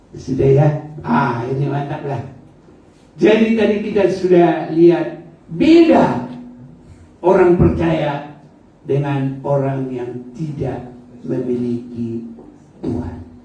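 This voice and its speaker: A man speaks in a fairly high pitch with very wide pitch swings. Long, frequent pauses break his speech, and there is audible room echo. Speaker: preacher. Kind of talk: sermon. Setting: church service.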